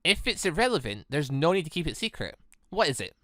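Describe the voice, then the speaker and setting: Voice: mid-range voice, very animated, fast, sharp tone, no room sound, clean studio sound. A game host voicing an earnest, probing young challenger who questions insistently and argues for human feeling.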